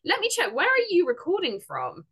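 Bright-voiced woman with a stuffy cold. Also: very high voice, wildly swooping pitch, moderate pace. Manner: gushing, enthusiastic, laughs often. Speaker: podcast host. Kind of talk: casual interview chat.

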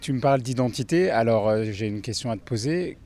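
A man's voice: mid-range voice, animated, warm tone. Man asking interview questions. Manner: measured, with hesitation fillers.

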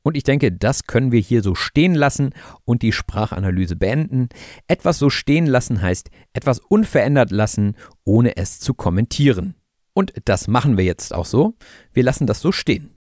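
A man hosting a language podcast, calmly and clearly explaining the meaning of words to learners. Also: medium pitch, moderate pace, no echo, clean studio sound. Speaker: podcast host and language teacher.

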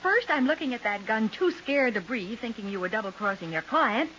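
An actress playing a spirited, plucky secretary to a detective in a 1940s radio crime drama. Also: female voice, a little high, animated, brisk, a bit bright. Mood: excited. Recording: muffled, hissy old radio recording.

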